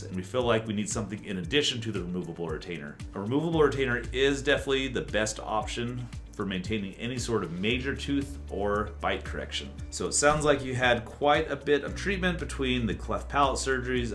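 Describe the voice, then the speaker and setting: A man's voice: medium pitch, fairly bright tone. A man answering viewer questions as an orthodontist, in a casual, methodical, matter-of-fact and reassuring explanatory way.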